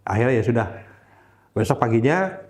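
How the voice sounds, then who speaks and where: A man in easygoing conversation tells a personal story at a mid-range pitch. He slips into the voices of the people he describes and often hunts for the right word along the way. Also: moderate pace. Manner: animated, acts out the voices of people in his story; searches for words with frequent fillers. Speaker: interview guest recounting a religious conversion.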